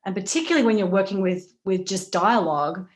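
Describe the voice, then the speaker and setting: A woman's voice: medium pitch, fast. A woman moderating a panel discussion in a conversational way, thinking aloud in qualified, exploratory phrases.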